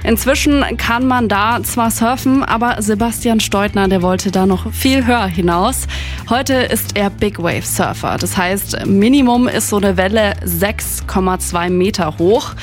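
A woman's voice: mid-range voice, measured pace, soft background music. A woman from Franconia hosting a radio interview, asking questions in a friendly, encouraging way with frequent affirmations. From Germany (Franconia, Nuremberg). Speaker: radio host.

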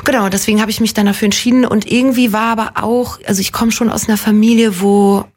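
A woman's voice: mid-range voice, fairly even intonation, quick pace, darkish tone, slightly rough. A woman in her forties from Munich, an actress chatting as a radio guest, reflective and self-deprecating, wandering through her thoughts with plenty of fillers. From Munich, Germany. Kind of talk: casual conversational interview.

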